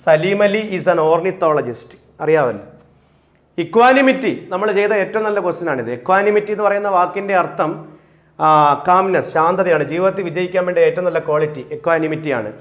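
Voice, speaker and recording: A male exam coach with a Malayalam accent, reading English questions out slowly and then explaining the answers quickly. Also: high voice, lively intonation. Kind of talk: recorded exam-prep lesson.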